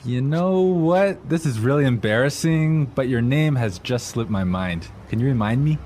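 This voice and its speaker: A man playing a polite businessman in a scripted language-lesson dialogue, with a standard American accent and courteous, clear enunciation. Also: mid-range voice, animated, normal speed, darkish tone, slight background noise, close to an everyday voice. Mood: sheepish. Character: polite, hurried businessman, mildly sheepish with an acquaintance.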